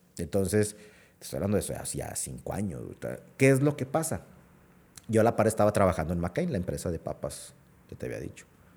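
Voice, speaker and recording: A man's fairly low voice with vocal fry, very wide pitch swings and big swings in loudness, very fast yet with long, frequent pauses, in a very clean recording with a silent background. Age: 40s. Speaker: social media influencer and agency owner. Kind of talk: casual interview chat. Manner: informal, slangy.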